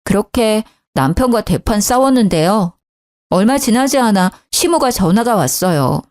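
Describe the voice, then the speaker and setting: A woman's voice: mid-range voice, lively intonation, moderate pace, a little mellow. A woman in her thirties narrating a dramatized story in an indignant, emphatic way.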